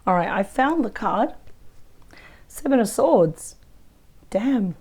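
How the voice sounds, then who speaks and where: A woman with a weak, croaky voice from a cold, chatting through a weekly tarot reading. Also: medium pitch, expressive, slow, a little mellow. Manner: chatty, thinks aloud over the cards. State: hoarse from a cold. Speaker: tarot reader. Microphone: close microphone.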